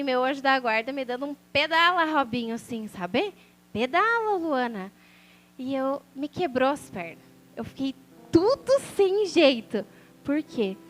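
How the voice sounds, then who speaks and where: A woman sharing a personal testimony as a sermon, telling the story with animation and acting out the voices of people she quotes. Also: sits high. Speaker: preacher.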